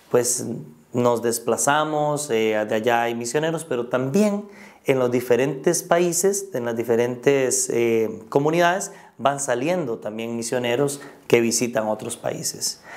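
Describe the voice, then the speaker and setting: Using lively intonation, a man talks in a plain, everyday voice at a medium pitch. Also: fairly slow pace. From Costa Rica. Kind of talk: interview answer.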